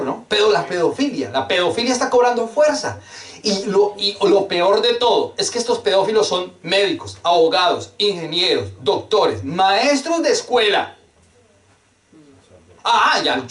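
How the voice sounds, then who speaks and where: A pastor with a high, slightly bright voice preaches a sermon fervently and emphatically, using rhetorical questions and plenty of repetition. The mic sits at a distance in an echoey room.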